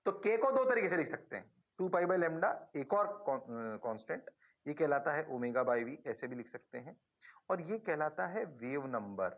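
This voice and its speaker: High-voiced coaxing male physics teacher. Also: lively intonation. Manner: coaxing, fires quick questions and answers them himself; mixes English phrases into his explanations. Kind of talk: classroom lesson.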